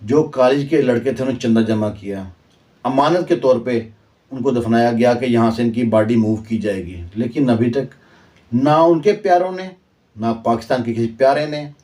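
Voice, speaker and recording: A man's voice: medium pitch, normal speed, mellow, recorded from a distance. A man from Pakistan, telling history in an impassioned, earnest way and dropping in proverbs and verse. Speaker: online commentator.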